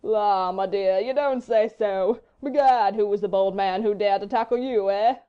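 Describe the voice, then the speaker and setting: A woman's voice: mid-range voice, normal speed, clear, resonant tone, dull audio, natural voice. A woman voicing a lazy, foppish English baronet who drawls with bland, imperturbable good humour, in an audiobook story. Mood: bland, amused.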